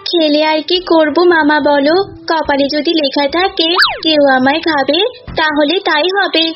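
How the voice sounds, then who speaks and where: A woman's voice: sits high, steady tone, a little slow, lo-fi sound, over music. A woman voicing a clever, unafraid young cow in a cartoon folk tale, coaxing and politely reasoning. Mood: calm, bold. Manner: coaxing, reasoning, addresses listener as uncle.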